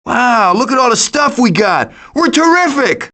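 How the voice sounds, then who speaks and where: Cocky high-pitched cartoon raccoon. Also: male voice, sing-song, measured pace, pushed and bright, full character voice. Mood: wry, confident, then excited, rallying. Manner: glib, theatrical, wisecracking. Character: cocky, scheming, wisecracking cartoon raccoon, adventurous leader. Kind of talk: animated video game voice acting.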